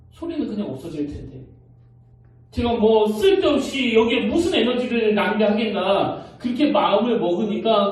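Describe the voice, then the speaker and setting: Animated male pastor in an echoey hall. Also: high voice. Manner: animated conversational storytelling. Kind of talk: sermon. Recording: echoey hall, mic from a distance.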